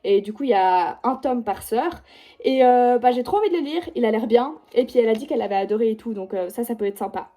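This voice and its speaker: Young swiss french girl rambling about books, lots of genre and du coup, soft warm tone. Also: fairly high pitch, quick pace. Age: young adult, about 18. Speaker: book vlogger. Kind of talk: casual chat showing her reading pile. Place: at home by her bookshelf.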